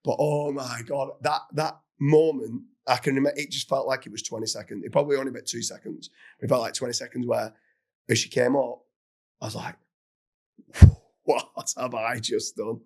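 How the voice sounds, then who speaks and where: A man hosting a podcast, telling a funny story in a casual, animated way with plenty of swearing and laughter. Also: mid-range voice, brisk. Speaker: podcast host.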